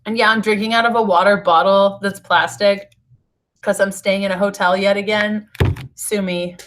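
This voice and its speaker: Casual female livestream host, raspy from a lost voice, narrow pitch movement, chatty and informal with viewers. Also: fairly even intonation, normal speed, fairly bright tone. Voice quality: raspy, slightly hoarse voice. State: hoarse, recovering from voice loss. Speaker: nutrition author hosting a livestream. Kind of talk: casual live vlog chat to viewers. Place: hotel room.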